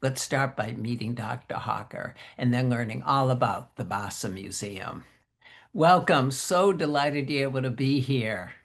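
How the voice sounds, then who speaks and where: A man with a gravelly, fry-edged voice hosts an interview program. He reads his introduction and questions in a formal, courteous and deliberate way. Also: mid-range voice. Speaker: interview host.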